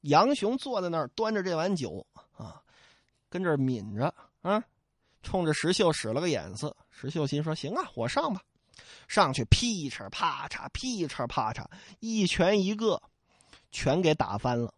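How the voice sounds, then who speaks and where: A male storyteller telling a classic tale in a lively, colloquial way. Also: a little high, normal speed, dry recording, clean studio sound. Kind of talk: traditional oral storytelling.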